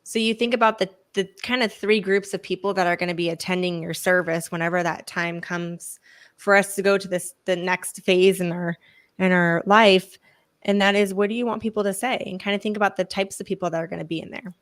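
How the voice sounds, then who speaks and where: Hoarse woman, earnest reflective guest. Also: on the low side, steady tone, a little fast. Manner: earnest, thinks aloud with restarts. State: hoarse from laryngitis. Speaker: guest author. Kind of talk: reflective interview talk.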